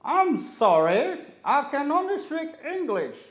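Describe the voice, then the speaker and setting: A man voicing a cheerful uncle puppet who talks slowly and simply in English. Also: very high-pitched, sing-song, exaggerated voice. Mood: friendly. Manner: slow, friendly, simple English. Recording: roomy, muffled lo-fi audio.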